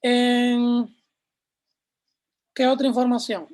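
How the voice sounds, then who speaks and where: A man's voice: very high voice, flat delivery, extremely slow, darkish tone. A man teaching a programming class, explaining step by step and answering his own questions as he goes. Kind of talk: live class explaining code on screen.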